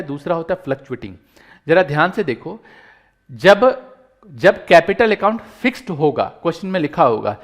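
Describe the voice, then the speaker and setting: A man teaching accounts in an online lecture, earnest and encouraging, pleading with students and fellow teachers as he explains each step. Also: fairly high pitch. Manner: earnest, pleading and encouraging, mixing English terms into Hindi.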